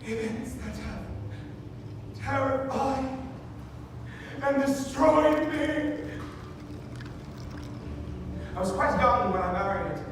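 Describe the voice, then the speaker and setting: High-pitched haunted condemned man, acted out by a man. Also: noisy background. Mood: weary, haunted. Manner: dramatic, halting, haunted delivery. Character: tormented condemned man, unraveling narrator confessing his horrible crimes. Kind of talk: theatrical gothic monologue performed live. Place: live indoor event space. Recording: echoey hall from far off, music behind.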